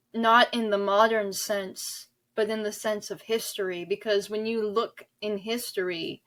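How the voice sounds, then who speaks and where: A woman's voice: medium pitch, fairly bright tone. A woman guest in a conversational podcast interview, talking in an earnest, emphatic, rambling way. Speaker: interview guest, author and audio drama director.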